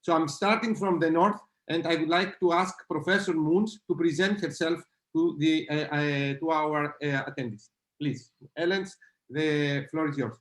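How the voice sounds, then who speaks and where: Guy hosting a zoom panel, kinda halting, lots of uhs, echoey room. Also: on the high side, fairly bright tone. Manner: halting, many filler sounds. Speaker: moderator. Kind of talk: hesitant webinar moderation. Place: video call.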